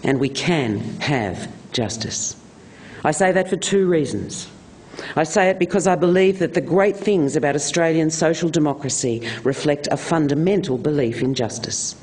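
A man reading a political speech aloud in a measured, deliberate oratorical manner, with emphatic repeated phrasing. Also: on the high side, a little mellow. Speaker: reader of a famous political speech on stage.

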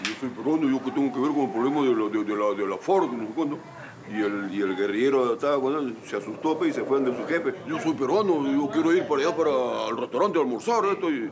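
A man's voice: medium pitch, expressive, fast, a crowd in the background. A traveling man telling an anecdote casually, acting out quotes with animation. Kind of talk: casual storytelling.

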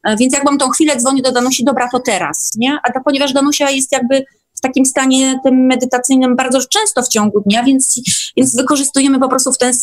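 A woman's voice: high voice, fairly even intonation, a little fast. A woman speaking as a guest in an online meeting, chatting informally and often checking that the listener follows. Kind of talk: casual chat.

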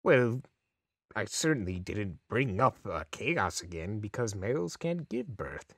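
A man's voice: very animated, a little slow, creaky, a bit bright, no room sound, studio quality, full character voice. An actor playing Discord, a snarky, theatrical male chaos spirit in a fan radio drama. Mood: awkward. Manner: sarcastic, theatrical swings in pitch.

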